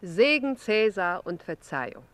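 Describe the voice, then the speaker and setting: A compassionate Christian in a radio play. She speaks at a medium pitch, calm and direct, with quiet boldness. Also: a little slow. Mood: calmly bold. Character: composed, compassionate Christian woman, quietly bold.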